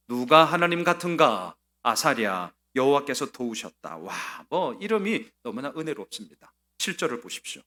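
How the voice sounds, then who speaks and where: Animated, bright-voiced male preacher. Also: medium pitch. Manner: animated, emphatic preaching with rhetorical questions. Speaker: pastor. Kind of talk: Sunday sermon.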